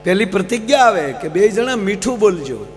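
Guy doing folk comedy on stage, pretty high voice, long hall echo with a faint hum. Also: sing-song, brisk. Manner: folksy, keeps addressing the audience as sir. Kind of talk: live stage humorous storytelling. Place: large live stage program. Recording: reverberant live hall, faint mains hum.

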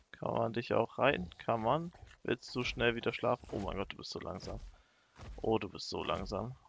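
A young man giving casual, excitable let's play commentary and talking to the animals in his game. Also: mid-range voice, gravelly, a little hiss or hum. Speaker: gaming YouTuber.

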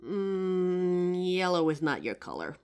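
A voice actress plays a helpful psychic shopkeeper in an audio roleplay. Her voice sits a little low for a woman and moves up and down a lot. She chats in a curious, friendly way, leaving pauses as if someone is answering. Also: a little hiss or hum. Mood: encouraging. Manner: chatty, expressive, with pauses and soft laughs. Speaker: voice actor. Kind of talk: roleplay audio drama, one side of a chat addressed to the listener.

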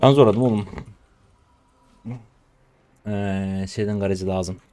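A man in his twenties from Turkey giving casual live commentary on his own gameplay, chatty and trash-talking, with sudden loud excited shouts, on a close desk mic. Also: on the low side, takes it slowly, clear, resonant tone, no room sound. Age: 20s. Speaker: gaming streamer.

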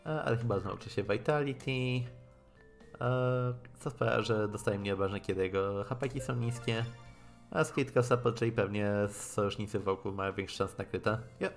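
A man with a Polish accent on a live game stream, haltingly translating dialogue aloud and commenting casually. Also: lowish voice. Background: game music.

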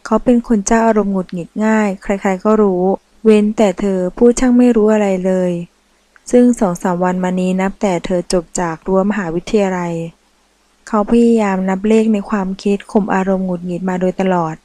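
A woman narrating a romance novel as an audiobook, reading in a slow, measured way. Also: medium pitch, fairly even intonation, warm tone, no room sound, low-quality recording.

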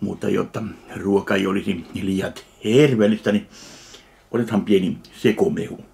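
A middle-aged man from Finland giving casual food tasting commentary to camera in a home kitchen, talking in an unhurried way with pauses as he eats. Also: low voice, fairly even intonation, darkish tone. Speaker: food review vlogger. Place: small home kitchen, indoors. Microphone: camera a short distance away. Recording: clear background noise, handling clicks.

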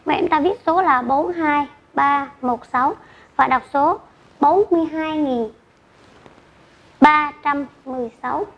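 A woman teacher giving an online math lesson to children, speaking slowly and carefully and reading out numbers digit by digit. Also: high voice. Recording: dull lo-fi recording with faint noise.

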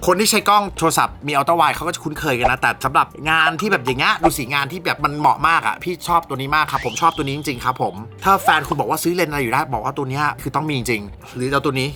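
Fast-talking excitable man reviewing gear. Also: fairly high pitch. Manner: chatty, excitable, swears casually. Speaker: vlogger reviewing a camera lens. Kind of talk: casual lens review. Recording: music bed under the voice.

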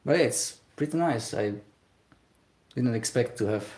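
His voice is mid-range, expressive and a bit dark. A young Slovak-accented glassblower streaming live from his home workshop, he talks casually but hesitantly, in a halting, self-deprecating manner.

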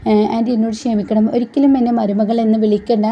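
A clever young woman answers her elders politely but firmly, as a woman reads her lines. The voice is higher, mellow and even, on a dull lo-fi recording. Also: fast talker, husky. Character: clever young woman, loyal daughter-in-law.

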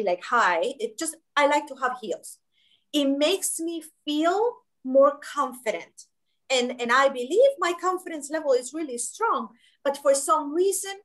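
A woman in her thirties talks on a webinar panel over a laptop webcam. Her voice sits a little high, and she speaks emphatically, with fillers and restarts. The sound comes from a small home office. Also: a bit bright. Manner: emphatic, gestures with hands, frequent fillers and restarts. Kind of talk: conversational panel discussion. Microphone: laptop webcam video call.

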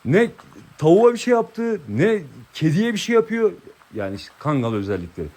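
A man's voice: sits high, big pitch swings, a little fast, a little mellow. A man chatting to viewers in a vlog, coaxing his dog affectionately and explaining outdoors. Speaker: vlogger with his dogs. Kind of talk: casual vlog chat to viewers.

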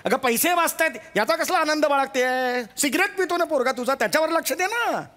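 A man's voice: extremely high pitch, expressive, a little fast, sharp tone, exaggerated voice. An actor playing a bossy, sarcastic middle-aged father who scolds his wife and son in a stage comedy sketch. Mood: scolding. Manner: mocking, scolding, theatrical.

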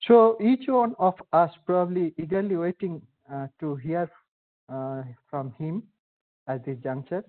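An Indian English man moderating a session, introducing speakers respectfully with frequent hesitations. His voice is a little high for a man and comes through a narrow, phone-like video call connection. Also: unhurried. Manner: respectful, hesitant with many uhs.

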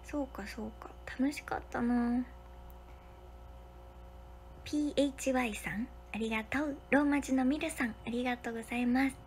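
A young woman, hosting a casual livestream from a hotel room and thanking viewers for their comments one by one, sometimes dropping to a soft whisper. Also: sits high, normal speed, a little hiss or hum. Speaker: livestream host.

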